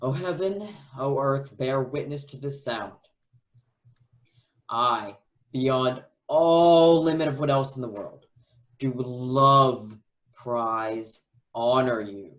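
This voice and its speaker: Slow-spoken lovestruck young prince played by a man. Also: mid-range voice, fairly bright tone. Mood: ardent. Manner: courtly declamatory verse delivery. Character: devoted lovestruck young prince, humble and courtly. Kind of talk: Shakespeare radio-play acting.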